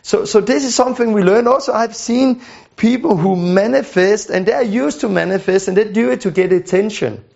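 A man's voice: high-pitched, fairly quick, creaky, darkish tone. A man giving an earnest teaching lesson, often repeating words and restarting phrases. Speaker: teacher on deliverance ministry. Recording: dull lo-fi recording.

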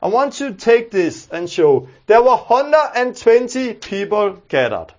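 A man's voice: high-pitched, highs cut off. A man with a Danish accent, teaching a sermon in an earnest, emphatic way, repeating his key phrases. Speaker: preacher.

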